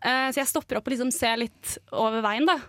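A woman's voice: fairly high pitch, a bit bright, no room sound. Laughing young woman telling a story. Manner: laughs through anecdote, many fillers. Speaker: radio show co-host. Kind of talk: casual storytelling chat. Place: radio studio.

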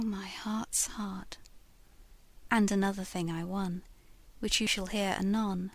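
A woman voicing a ghostly young woman returned from a portrait, speaking in a slow, yearning, hushed whisper. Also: medium pitch, gravelly, dry recording.

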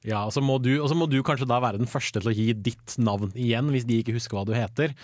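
A young man co-hosting a comic radio show, who teases and quickly joins in the jokes with exaggerated role-play. His voice sits in the middle range and is recorded close and dry, with no room echo. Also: mid-range voice. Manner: teasing, quick to play along. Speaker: podcast co-host.

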